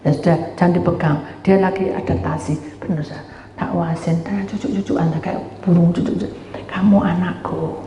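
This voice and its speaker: A woman's voice: fairly low pitch, a little fast, highs cut off, a little hiss or hum. A middle-aged woman pastor telling a story in a sermon, acting out voices and calling out to the congregation. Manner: animated, acts out dialogue, addresses congregation as "saudara". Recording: roomy hall, voice from far off.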